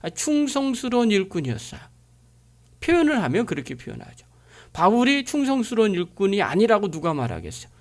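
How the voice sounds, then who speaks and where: Woman pastor, sermon, emphatic rhetorical questions, animated rising and falling pitch. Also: brisk.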